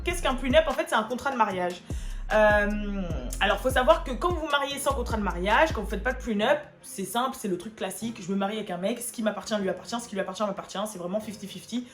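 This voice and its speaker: Young woman vlogger, chatty and animated, higher voice, echoey room recording. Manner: chatty, animated, many fillers. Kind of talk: casual gossip vlog.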